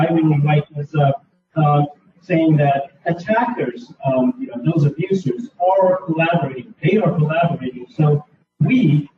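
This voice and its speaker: Male panel moderator, fairly high voice, halting and repetitive, recorded far from the mic in an echoey room. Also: noisy background. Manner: hesitant, halting, repeats words. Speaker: panel moderator reporting a discussion. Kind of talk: summing up a conference session. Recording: distant, echoey, muffled conference feed.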